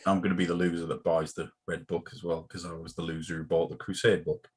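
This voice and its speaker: Man, deep voice, husky tone, casual hobby chat, hesitant. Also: flat delivery, quick pace. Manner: hesitant, many ums. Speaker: podcast co-host.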